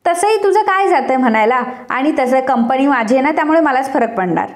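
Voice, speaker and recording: A cranky young businessman who scolds in quick bursts, as a woman reading a serial recap puts him on. The voice sits high, plainly the reader's own, told like a storybook retelling. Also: lively intonation, reverberant. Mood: angry. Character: irritable young male businessman, stern.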